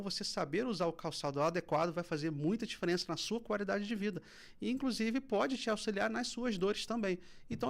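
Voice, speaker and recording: A man hosting a finance podcast in a studio, reading sponsor spots and opening an interview with energy. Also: sits high. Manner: fast, enthusiastic, loud welcome. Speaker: podcast host.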